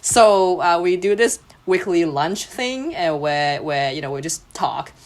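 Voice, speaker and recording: A woman's voice: lowish voice, lively intonation, a little slow. A young woman whose first language is Cantonese, a podcast guest chatting casually and laughing often mid-sentence. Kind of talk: casual chat.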